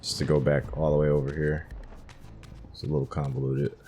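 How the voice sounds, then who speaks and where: A man's voice: very deep voice, flat delivery, brisk, mellow, soft background music. A man giving casual gameplay commentary, thinking aloud as he plays. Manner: thinks aloud, musing to himself. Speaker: gaming host narrating a playthrough.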